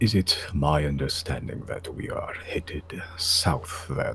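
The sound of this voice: A put-on, guttural character voice from a man at a fairly slow pace.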